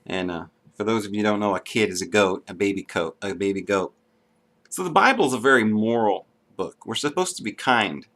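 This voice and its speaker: A man's voice: on the low side, a little fast, a bit bright. A man giving an unscripted, earnest monologue to camera, with frequent ums and restarts. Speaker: video blogger.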